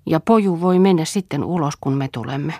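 A woman's voice: deep voice, warm tone, no echo, studio quality. A woman reading the part of a helpful young girl in an audiobook, eager.

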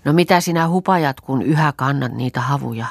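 A woman's voice: rumbling low, vocal fry, no room sound, studio quality, heavily acted. A woman voicing a fretful, grumbling young countrywoman who wails and mutters complaints, in a storybook reading.

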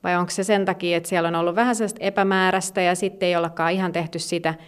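A woman's voice: fairly low pitch, fairly even intonation, clean tone. A woman speaking as an expert in a conversational interview, explaining at length with many fillers and restarts. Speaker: gymnastics federation expert.

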